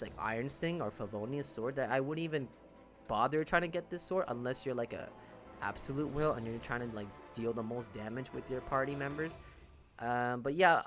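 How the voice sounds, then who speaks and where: A man's voice: medium pitch, a bit bright. A man giving casual, conversational gaming commentary, explaining things informally as a video creator. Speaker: gaming video creator reviewing game banners.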